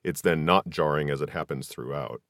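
A man's voice: very deep voice, normal speed, fairly bright tone, no room sound, clean studio sound. A man hosting a podcast, speaking conversationally as he interviews guests.

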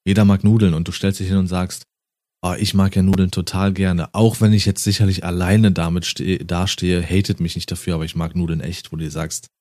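Blunt, casual male podcast co-host; deep, mellow voice, dry recording. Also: flat delivery, a little fast, no echo. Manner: blunt, swears casually, laughs often.

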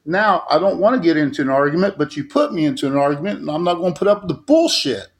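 A man's voice: on the high side, expressive, fast. A man in his late fifties, a talk show guest, speaking bluntly and defending himself with emphasis. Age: 50s. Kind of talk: heated talk show argument.

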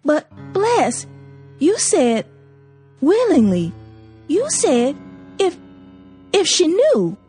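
A woman's voice: high-pitched, huge pitch swings, extremely slow, pauses often, mellow, faint music behind, voice pushed up, heavily acted. A woman reader voicing a young woman who pleads and falters, stammering near tears. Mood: pleading.

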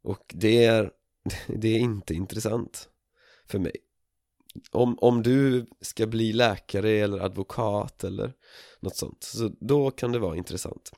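Man, podcast host, low voice, dry close sound, relaxed, chuckles often, lots of fillers. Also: gravelly, no room sound. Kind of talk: casual spoken monologue.

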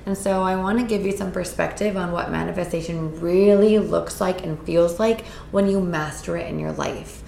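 Woman host, hoarse from a cold, gravelly low voice, earnest and upbeat, roomy echo. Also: steady tone, moderate pace, hardly any pauses, warm tone, a little hiss or hum. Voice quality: raspy. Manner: upbeat, earnest, with filler words. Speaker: podcast host. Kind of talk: casual solo podcast talk. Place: indoors in Costa Rica.

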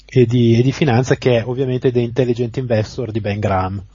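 A man co-hosting a podcast over a phone line, explaining things in a measured way with small restarts. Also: mid-range voice, steady tone, mellow. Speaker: podcast co-host. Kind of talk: casual chat recommending a book. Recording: muffled dry phone-line audio.

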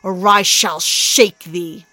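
A woman voicing a proud, hot-tempered male thunder god in a storybook reading, speaking slowly and indignantly. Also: a little high, dry recording, soft background music. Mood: outraged. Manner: indignant, outraged, slow and loud.

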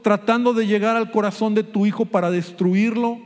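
Male pastor, urgent preaching, high voice, big reverberant church hall. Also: fairly even intonation, normal speed, darkish tone. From Mexico. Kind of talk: sermon.

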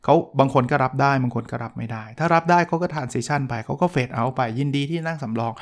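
A man hosting a talk show, casually summarizing ideas from a book in a relaxed, conversational way with frequent fillers and English terms mixed in. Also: medium pitch, a little fast. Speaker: podcast host summarizing a book; university lecturer.

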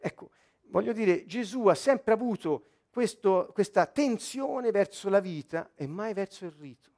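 Guy preaching a sermon, kinda high voice, swings all over, gets loud on the quotes. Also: unhurried. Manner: lively preaching, rising loud when quoting scripture, dropping low to explain.

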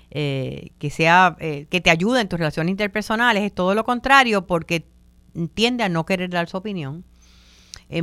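Puerto Rican woman host, smooth low voice, dry booth sound, chatty advice show. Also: no room sound. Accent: Puerto Rican Spanish. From Puerto Rico. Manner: relaxed, many fillers, acts out quoted voices. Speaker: radio host on communication and wellbeing. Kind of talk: conversational talk on communication styles.

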